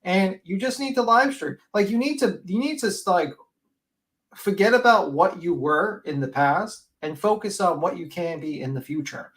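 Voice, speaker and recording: A woman's voice: fairly low pitch, lively intonation, moderate pace. A woman co-hosting a reaction stream, talking casually with blunt, sarcastic remarks and plenty of swearing. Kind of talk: casual chat.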